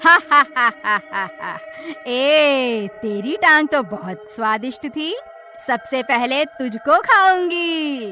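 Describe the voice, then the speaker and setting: A woman's voice: high voice, slow, sharp tone, voice pushed up, full character voice. Cackling hungry witch, as a woman puts her on. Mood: gloating. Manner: menacing, gloating cackle. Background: music.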